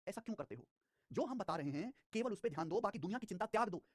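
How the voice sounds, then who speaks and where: In a clean studio recording free of room sound, a young man whose voice sits high teaches a live online math class. He speaks quickly and lively, keeps repeating numbers and phrases, and scolds students with life advice.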